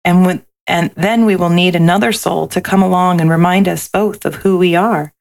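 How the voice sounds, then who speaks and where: A woman reading aloud and voicing a gentle, wise and loving soul who speaks in a tender, reassuring way. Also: fairly low pitch, fairly even intonation, moderate pace, gravelly. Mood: serious.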